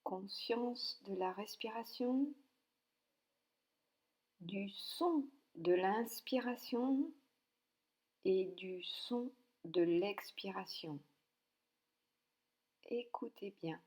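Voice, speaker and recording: A woman leading a guided yoga nidra relaxation, speaking calmly and softly with long pauses between short instructions. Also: medium pitch. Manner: calm, soothing, with long pauses.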